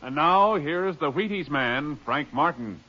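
Higher-pitched man announcing on old radio. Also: lively intonation, a little slow. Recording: muffled old radio, loud music. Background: loud music.

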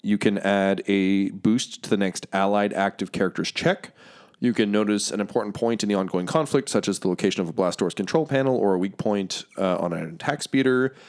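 A man runs a tabletop role-playing game, walking the players through the rules at an easy pace. His voice is slightly low, and he fills the gaps with ums and uhs. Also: a little fast. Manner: relaxed, explains rules with fillers. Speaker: game master.

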